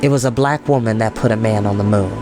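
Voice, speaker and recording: An American man with a lowish voice hosts a storytime reading show, speaking quickly, casually and earnestly to his online audience. He leans on emphatic phrases and says them again and again. Soft meditation music plays behind him.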